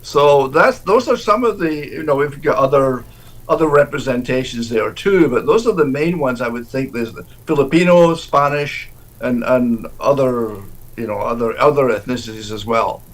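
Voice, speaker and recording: A man, a deacon, answering interview questions in a halting way, often restarting and repeating words. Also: mid-range voice, low-quality recording.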